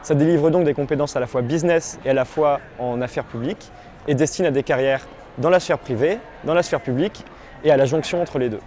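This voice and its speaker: A man presenting his dual-degree program in a brisk, factual way. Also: on the high side, warm tone, a little hiss or hum. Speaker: business and public management student. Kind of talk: testimonial interview.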